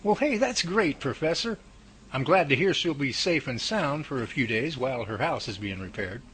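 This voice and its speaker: A man's voice: medium pitch, expressive, moderate pace, a bit bright, lightly acted, low-quality recording. A man playing a mild, sympathetic colleague of a professor in a radio drama. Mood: relieved, sympathetic. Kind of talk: amateur radio drama dialogue.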